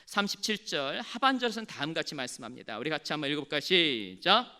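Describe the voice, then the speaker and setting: Male pastor, high and lively voice, animated sermon storyteller. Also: fast. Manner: animated storytelling, calls on the congregation to respond.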